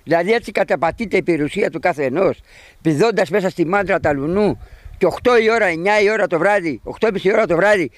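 Agitated, high-voiced middle-aged man. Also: no echo. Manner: agitated, animated retelling. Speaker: sheep pen owner telling of an intruder. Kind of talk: eyewitness account to a reporter. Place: outdoors at his sheep pen.

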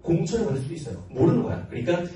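A man's voice: sits high, very animated, very fast, mellow. A man in his early forties, a cram school teacher, answering students' questions informally in a playful but earnest manner. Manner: playful, joking, earnest, often laughing. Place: large classroom with students. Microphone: handheld microphone, filmed by tripod camera at back. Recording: roomy classroom, distant mic, noisy.

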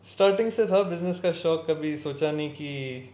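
A man in his twenties from Rajasthan answering interview questions calmly, switching between Hindi and English. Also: fairly high pitch, moderate pace. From Rajasthan, India. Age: 20s. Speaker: guest business owner. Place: indoor warehouse showroom. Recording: echoey room with faint ambience.

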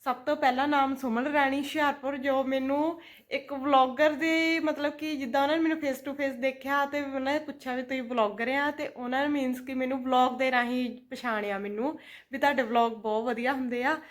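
High-pitched dramatic woman vlogger. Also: steady tone, fairly quick. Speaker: family vlogger. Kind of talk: casual home vlog chat.

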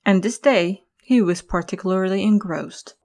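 A woman's voice: medium pitch, moderate pace, a little mellow. A woman reading scripted story narration as the narrator of an audio drama. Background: music.

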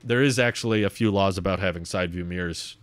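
A man's voice: low-pitched, a little fast, no room sound. A young man talking casually and thinking aloud as he hosts a stream, reading and answering comments into a close desk microphone. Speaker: video host reading and answering viewer comments. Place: small home room set up as a streaming studio, indoors. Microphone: desk microphone on a boom arm, close.

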